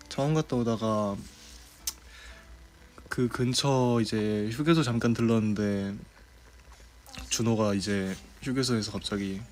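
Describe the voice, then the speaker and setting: A young man from South Korea chatting casually on a livestream, talking slowly and unhurriedly. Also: fairly low pitch. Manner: drawling, unhurried. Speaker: idol livestream host.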